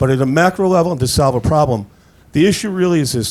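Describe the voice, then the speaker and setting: With an American accent, a man speaks in a fairly high pitch. His intonation is lively. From Chicago, US Midwest. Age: 60s. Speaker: audience member at campus event. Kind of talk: audience question at public debate. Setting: university classroom with audience.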